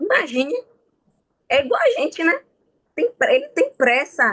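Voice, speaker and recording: A woman's bright, sharp tone. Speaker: women's Bible study group leader. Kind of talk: Bible study discussion.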